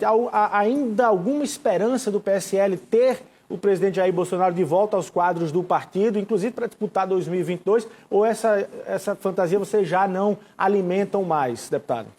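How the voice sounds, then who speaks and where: A man's voice: sits high, a little fast, hardly any pauses, darkish tone. A man presenting a live political interview show as its host.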